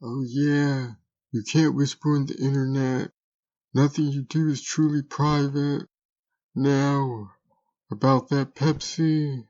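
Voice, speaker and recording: A man's voice: mid-range voice, steady tone, takes it slowly, darkish tone, lo-fi sound, natural voice. A man voicing a smug, sly troll creature in an audio drama, with a sardonic, wheedling manner. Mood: sly, mock hurt. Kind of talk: audio drama character acting.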